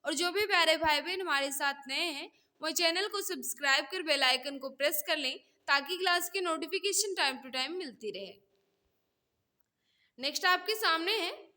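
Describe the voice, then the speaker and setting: A woman's voice: high-pitched, pushed and bright. A woman teaching an online exam class, reading out quiz questions, repeating them and prompting listeners for the answers. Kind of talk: mock-test quiz lesson, reading questions and explaining answers.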